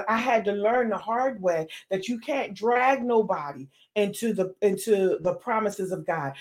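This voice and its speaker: A woman hosting a faith podcast, preaching emphatically, repeating phrases and swinging from loud declarations to hushed near-whispers. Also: mid-range voice. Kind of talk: preaching to listeners.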